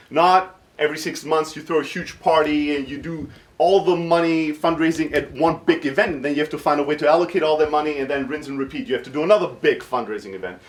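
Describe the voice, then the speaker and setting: A man in his thirties from Greece, raised in southern Germany, giving an informal workshop talk in a blunt, irreverent, self-deprecating manner while jet-lagged. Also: fairly high pitch. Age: 30s. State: jet-lagged, short of sleep.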